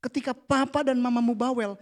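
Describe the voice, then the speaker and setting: A man, preaching a casual, playful youth sermon that drops to a hush for the prayers. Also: extremely high pitch, fairly even intonation, brisk, heavy background noise. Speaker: youth pastor. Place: church hall.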